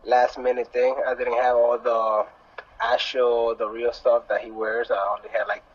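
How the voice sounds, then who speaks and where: A man's voice: mid-range voice, flat delivery, moderate pace. Easygoing young man on a muffled phone. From New Jersey. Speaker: guest. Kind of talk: casual chat. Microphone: phone held close.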